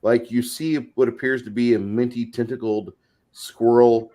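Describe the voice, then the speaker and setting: A man's voice: mid-range voice, steady tone, normal speed, mellow. A man chatting casually about tabletop games, blunt and profane, with a vivid way of describing things. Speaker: panelist on a role-playing show.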